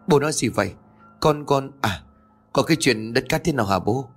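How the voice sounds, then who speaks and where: A man voicing a frightened but fierce young woman, a grieving daughter in a horror story, high and sharp when she raises her voice. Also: lively intonation, brisk, breathy edge, soft background music. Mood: worried.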